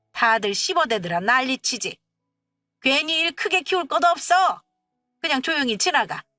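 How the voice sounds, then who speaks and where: A woman's voice: high voice, sharp tone, dry recording, pitched above the performer's own voice. A woman voicing an older mother-in-law in a storybook tale, scolding and abusive. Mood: dismissive.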